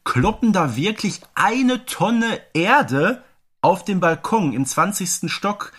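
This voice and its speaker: A man's voice: high voice, animated, takes it slowly, fairly bright tone, slightly rough. A man chatting casually and emphatically as an enthusiastic podcast co-host. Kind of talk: casual chat reviewing an audio drama.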